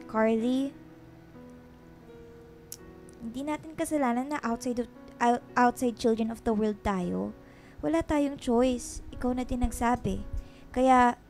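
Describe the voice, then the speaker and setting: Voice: mid-range voice, a little slow, pauses often, a little mellow, soft background music, natural voice. A performer voicing a flamboyant, witty gay best friend in a radio drama, with sassy, dramatic, slangy banter. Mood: earnest, comforting.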